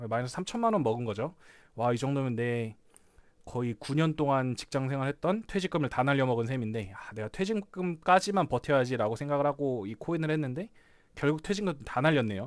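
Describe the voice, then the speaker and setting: The speaker moves at a fairly quick pace with lively intonation. The recording is very clean, with a silent background. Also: man, fairly high pitch for a man. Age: 30s. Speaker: crypto YouTuber, office worker. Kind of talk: casual live-stream chat.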